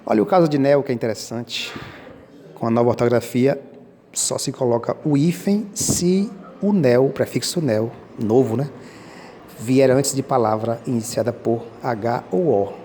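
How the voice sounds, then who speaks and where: A man's voice: medium pitch, normal speed, mellow, a little hiss or hum. A man explaining Portuguese grammar rules step by step as a teacher, patiently repeating key points and speaking directly to viewers. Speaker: teacher commenting on exam questions.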